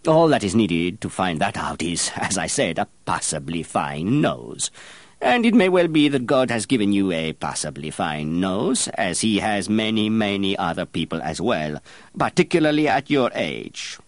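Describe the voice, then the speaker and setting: A man's voice: low-pitched, very animated, normal speed, dry recording. Man playing a pompous old master perfumer. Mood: lecturing. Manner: haughty, lecturing, rising to shouts. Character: pompous aging male master perfumer, stern, lecturing.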